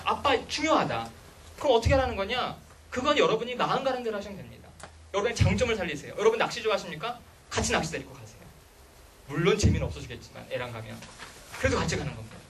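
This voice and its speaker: A man's voice: high-pitched, fairly bright tone, a little hiss or hum. A man giving a public lecture on parenting to a room of parents, firing rhetorical questions at the audience. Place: school lecture hall. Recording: voice picked up from a distance.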